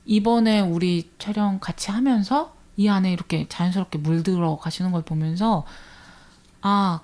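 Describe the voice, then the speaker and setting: A woman from rural talks about her work with a soft regional lilt, in a middle-pitched voice. She tells her stories in an earnest, animated way, slipping into the voices of the people she describes. It sounds like a relaxed radio studio interview. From rural Jeolla region of Korea. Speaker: guest, village media educator. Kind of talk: conversational interview.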